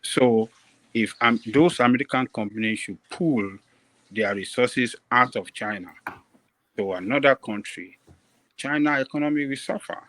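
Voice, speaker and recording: A man making a point in a group debate, speaking haltingly with many fillers. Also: medium pitch, a bit bright, no room sound, poor audio. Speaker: panelist.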